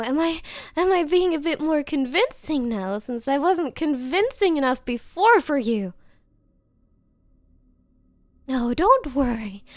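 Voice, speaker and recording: Woman acting a high-voiced, clingy yandere girlfriend. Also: no room sound. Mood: menacing, determined. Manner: nervous giggling, stammering, pleading. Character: obsessive, clingy yandere woman on a first date. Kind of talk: ASMR audio roleplay.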